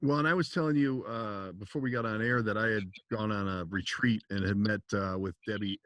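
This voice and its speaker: A man's voice: fairly low pitch, brisk, a bit bright, dry recording. A man hosting a podcast, asking questions in an easygoing, agreeable way. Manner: easygoing, agreeable interviewer with short responses. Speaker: podcast host. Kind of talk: casual podcast interview.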